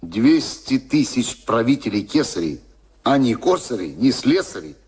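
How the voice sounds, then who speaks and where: A man's voice: medium pitch, very animated, measured pace, darkish tone, breathy edge. A man narrating a rhymed folk tale for a radio play in a wry, declamatory theatrical manner. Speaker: storyteller.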